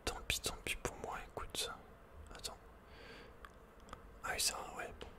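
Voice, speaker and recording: Whispering man doing ASMR game commentary. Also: measured pace. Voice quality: breathy, unvoiced whisper. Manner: casual, slangy, playful. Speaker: ASMR video game player.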